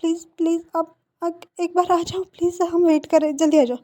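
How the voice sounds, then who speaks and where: A woman's voice: extremely high pitch, level tone, fairly quick, mellow, voice pushed up. A woman doing a tearful, stammering teenage boy. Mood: frantic. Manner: stammering, pleading, repeats words. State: crying.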